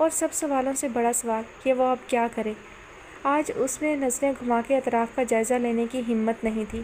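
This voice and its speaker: The speech moves at a fairly slow pace with fairly even intonation on a very clean recording with a silent background. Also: woman. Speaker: audio novel narrator. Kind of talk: reading aloud.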